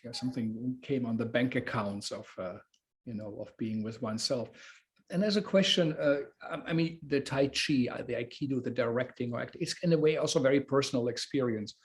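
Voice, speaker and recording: A man hosting a thoughtful, casual interview, speaking in a halting, loosely phrased way as he works through his questions. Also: mid-range voice. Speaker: host, interviewer.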